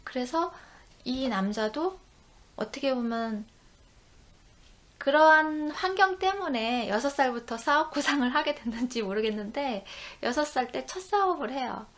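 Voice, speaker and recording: A woman's voice: sits high, animated, a little slow. A woman talking through a book she has read, in a conversational, explanatory way with frequent fillers. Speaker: book reviewer. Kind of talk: book review talk.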